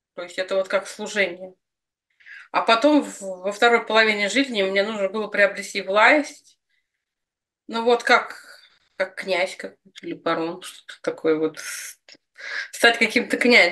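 A woman's bright, sharp voice at a fairly slow pace, with big swings in loudness, ordinary pitch variation and long, frequent pauses, against a quiet background. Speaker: spirit channeler. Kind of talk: channeling session. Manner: halting. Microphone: video call.

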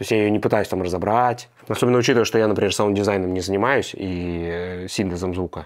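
A man talks very fast, keeping his intonation fairly even. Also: fairly low pitch for a man. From Russia, Kaliningrad. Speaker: music YouTuber. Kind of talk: casual chat.

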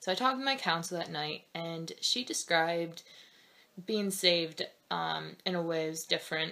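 A woman's bright, sharp voice, fairly low in pitch, with ordinary pitch variation and a moderate pace. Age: 20s. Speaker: YouTuber. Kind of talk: testimony. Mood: calm, earnest. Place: home room. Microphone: webcam.

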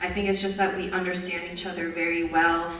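Amid light background noise and audible room echo, a woman speaks at a fairly quick pace with monotone, flat intonation. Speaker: interpreter. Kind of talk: consecutive interpretation. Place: stage.

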